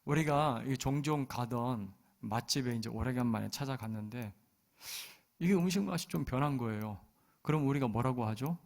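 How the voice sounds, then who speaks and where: A man's voice: medium pitch, moderate pace, vocal fry, darkish tone. A man preaching a sermon as pastor, often putting questions to the congregation.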